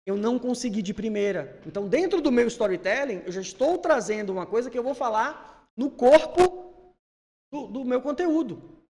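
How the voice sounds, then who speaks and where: A man from Salvador in Brazil coaches people on public speaking through conversation, his very high voice moving at a moderate pace. He's lively and forceful, with rising bursts as his excitement builds, and the sound carries a long reverb like a hall.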